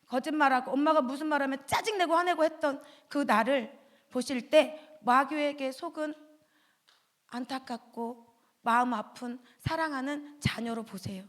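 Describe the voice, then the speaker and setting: A woman giving a lively children's sermon as a pastor's wife, asking the children questions and acting out the voices of the people in her story. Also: high voice. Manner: animated, asks the children questions; acts out voices of the devil, children and God. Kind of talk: children's sermon with acted dialogue.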